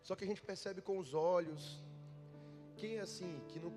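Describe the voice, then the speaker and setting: Chatty pastor preaching over music. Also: male voice, sits high, moderate pace. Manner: conversational and humorous, often asking the congregation questions. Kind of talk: sermon. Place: church. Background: instrumental music.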